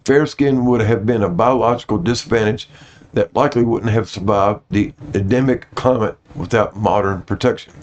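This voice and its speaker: A man's voice: on the low side, normal speed, darkish tone. A man reading aloud to his viewers in an informal way, stumbling over some words and correcting himself. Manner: apologetic about his pronunciation. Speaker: host reading out notes to viewers. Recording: dull lo-fi audio.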